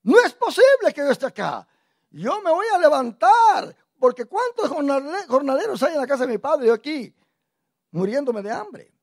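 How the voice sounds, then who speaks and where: A man's voice: very high-pitched, very animated, normal speed, dry recording, clean studio sound, voice pushed up, exaggerated voice. A man voicing the prodigal son, a repentant young man who pleads and resolves to go home. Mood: pleading resolve.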